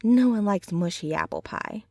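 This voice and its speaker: A woman playing a gentle, affectionate young centaur girlfriend in an ASMR roleplay, speaking softly and tenderly in an unhurried ramble. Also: mid-range voice, no echo, lightly acted. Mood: gentle, chatty.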